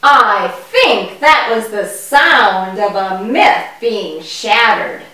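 A distant, very echoey recording carries a woman playing a fearful young boy puppet. The delivery is very slow and exaggerated, as in a children's puppet show, and full of excitable feeling. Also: medium pitch, full character voice. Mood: amazed, explaining. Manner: exaggerated, addressing children directly. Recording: echoey hall, far from the mic.

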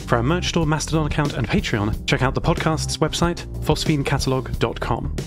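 A man's voice: a little high, fairly quick. A man reading a scripted podcast outro as the show's writer and producer. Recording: guitar music behind the voice.

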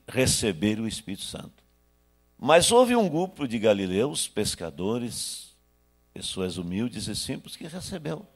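A man in his sixties from Brazil, preaching a sermon into a handheld microphone in a small church hall, swinging between loud bursts and hushed asides. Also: on the low side, vocal fry. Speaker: pastor.

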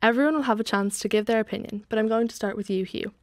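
A woman's voice: a little high, fast talker, no echo, clean studio sound. A young woman hosting a panel podcast, introducing guests and putting questions to them. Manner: friendly, scripted-sounding introductions and easy questions to guests. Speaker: podcast host. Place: TV-style studio set, indoors. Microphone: large desk microphone, wearing headphones.

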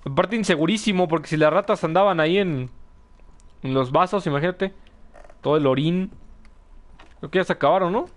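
A man's voice: on the high side, fairly quick, long pauses. Joking Mexican young man streaming. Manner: joking, reads chat aloud, laughs often. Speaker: gameplay streamer. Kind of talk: casual live gameplay commentary.

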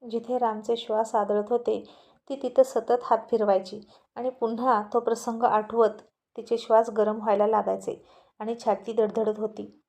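A woman storyteller narrating a romance tale in a steady, expressive way. Her voice sits fairly high and sounds mellow and warm rather than bright.

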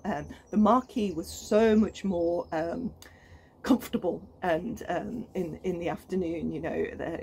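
This UK gardening vlogger, a woman in her thirties with a British accent, talks to camera outdoors on her allotment in an easy, enthusiastic way, stumbling through ums and restarts. Her pitch sits fairly low with a slightly mellow quality. A little background noise comes through.

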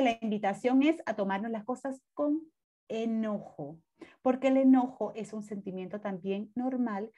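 A woman's voice: fairly high pitch, mellow, dull audio. A woman, a teacher giving an online religion class to children and explaining with repeated examples over a video call.

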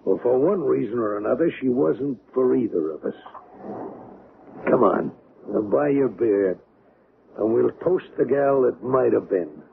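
Sober skeptical buddy in a radio drama, creaky voice, thin noisy old recording. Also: male voice, mid-range voice, lively intonation, measured pace. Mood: sober, resigned. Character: sober, resigned man, a loyal skeptical friend. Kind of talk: 1970s radio drama acting. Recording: narrow-band old radio, background noise.

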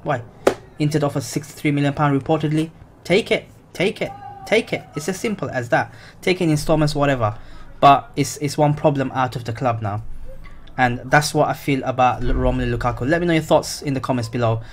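A man's voice: mid-range voice, fast talker, a little hiss or hum. A young man giving blunt, opinionated football commentary, repeating himself with many fillers. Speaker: football vlogger.

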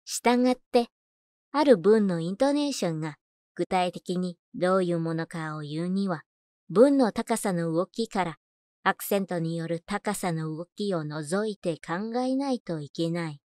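A woman's voice: fairly low pitch, lively intonation, moderate pace, a little mellow, no echo, studio quality. A woman reading scripted audiobook narration as a voice-over narrator.

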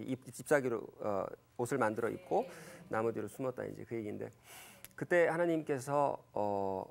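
A man in his fifties giving a church lecture, retelling Bible scenes and family stories with many fillers and self-corrections, acting out the quoted lines. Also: gravelly. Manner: animated, acts out quoted lines with big pitch jumps. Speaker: Christian lecturer.

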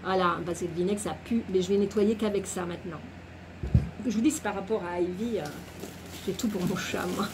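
Woman, casual haul vlog, rambling and chatty, mid-pitched voice, clear background noise. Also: a little fast. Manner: chatty and rambling, laughs at herself. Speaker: vlogger. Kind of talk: casual grocery haul chat.

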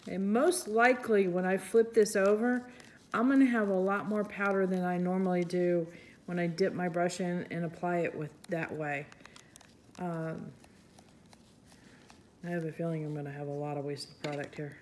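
A resin artist who hosts her own channel narrates a casual crafting tutorial, chatting as she works at a table, thinking aloud and teasing herself. Her lowish, darkish voice, which people call soothing, moves at a normal speed with fairly even intonation. A little hiss or hum sits under the audio.

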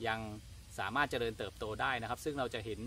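A man in his thirties giving a polite, steady gardening demonstration outdoors at a plant nursery. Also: medium pitch, quick pace, slight background noise. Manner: polite, steady instructional delivery. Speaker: farm channel host.

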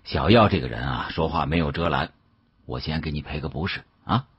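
A man voicing a gentle, placating elderly male professor in an audiobook. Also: very deep voice, fairly quick, breathy edge, dry recording, voice pushed down, heavily acted. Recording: dull, muffled audio.

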